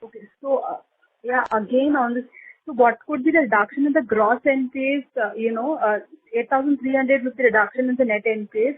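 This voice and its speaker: High-pitched Indian woman on tinny phone line. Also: slightly rough. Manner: halting, repetitive, probing. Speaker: analyst asking questions on an earnings call. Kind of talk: question-and-answer on a conference call. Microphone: telephone conference call.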